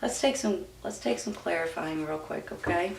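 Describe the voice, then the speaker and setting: Her voice is on the low side and creaky, at a normal speed, with a little hiss or hum and a roomy echo from a distant mic. She's a tarot reader hosting an informal reading, speaking straight to viewers as "you guys" and looking for their agreement.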